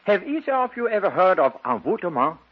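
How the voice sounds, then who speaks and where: A man's voice: high-pitched, very animated, brisk. An actor playing a formal, authoritative male occult doctor in a 1950s radio drama, on a dull old broadcast recording. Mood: grave.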